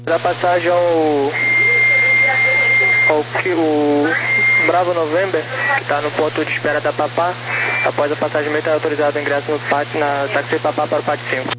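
Flat-toned Brazilian tower controller, male, crackly radio. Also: on the high side, quick pace. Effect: crackly radio transmission. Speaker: air traffic tower controller. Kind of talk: aviation radio clearances. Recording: very noisy humming aviation radio.

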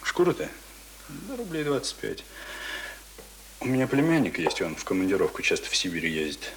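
An actor playing a talkative, pompous middle-aged print worker in a Russian radio play, boasting in folksy colloquial speech. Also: male voice, mid-range voice, sing-song, moderate pace, a bit bright, slight background noise. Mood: boastful, contented. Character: talkative middle-aged male print worker, self-important former drinker. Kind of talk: Russian radio drama acting.

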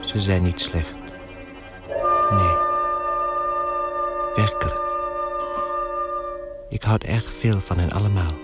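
An actor playing a gentle, resigned, dying man in a radio play, in a weary, halting monologue. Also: sits low, steady tone, over loud music. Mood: resigned, tender. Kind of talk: 1960s radio play acting.

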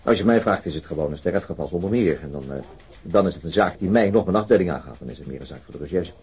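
An actor playing a sober, methodical police detective in a radio drama, with a hesitant, understated way of talking. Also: male voice, low-pitched, expressive, quick pace, a little mellow, breathy edge, full character voice. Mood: pensive, weary. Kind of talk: naturalistic radio drama dialogue.

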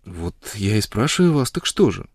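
A man's voice: lowish voice, big pitch swings, normal speed, husky, no echo, clean studio sound, heavily acted. A man voicing a bold, teasing young woman in an audiobook reading, with a light, mocking delivery.

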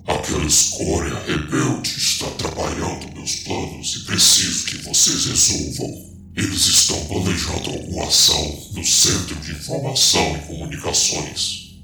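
A ruthless villain commander for an audio drama, with a gravelly, bottom-of-the-range voice. He gives orders with arrogant menace, set back in an echoey space with music underneath. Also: bright, forceful tone, exaggerated voice. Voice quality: deep, gravelly. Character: male villain commander, ruthless, arrogant, obsessed with his plans. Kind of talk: scripted audio drama acting. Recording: echoey, distant, with music behind.

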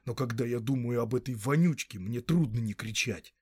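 A man's voice: mid-range voice, normal speed, husky, natural voice. A man voicing a plain-spoken, loyal young male hobbit with a homely, folksy manner. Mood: wry.

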